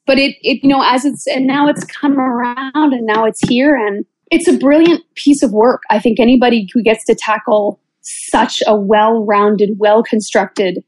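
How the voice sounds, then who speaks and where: A woman speaks as the guest in an interview, answering in a conversational way. Her voice sits a bit high, and the recording is dry. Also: steady tone, normal speed, few pauses, darkish tone, husky, no echo, low-quality recording. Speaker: interview guest, musical theater actress.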